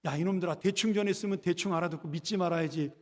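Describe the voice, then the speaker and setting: A man preaching and voicing an angry, resentful male prophet who shouts back indignantly. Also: high voice, quick pace, natural voice. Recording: long church reverb.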